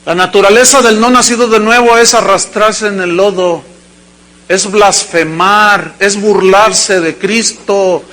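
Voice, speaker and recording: A male pastor delivering a sermon to a congregation, with dramatic acted quotes and sudden shouts. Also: sits high, steady tone, measured pace. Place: church service before a congregation.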